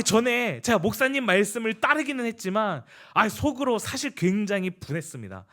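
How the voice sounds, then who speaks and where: A man's voice: high-pitched, fairly bright tone, voice pushed up. A man voicing a hot-tempered new believer, a village deacon who huffs out his complaints to his pastor. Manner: agitated, huffing complaints.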